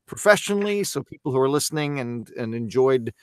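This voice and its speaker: A man's voice: medium pitch, lively intonation, brisk, smooth, dry recording, studio quality. A man hosting a podcast chat, rambling loosely and filling gaps with uh and um. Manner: rambling, lots of filler and restarts. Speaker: podcast host. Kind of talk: casual group chat.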